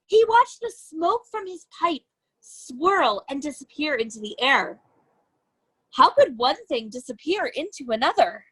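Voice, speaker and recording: A woman with a high voice reads a picture book to young children. Her delivery is very animated, rising and falling widely in pitch. She phrases each sentence deliberately and leans on the key words like an educator telling a story. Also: poor audio. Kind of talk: children's storybook read-aloud.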